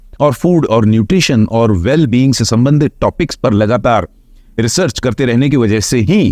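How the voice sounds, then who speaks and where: An unremarkable speaking voice from a man, lively in intonation, at a moderate pace, with a dry, close sound and no echo. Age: 60s. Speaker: health and weight-loss coach. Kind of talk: personal year-in-review vlog.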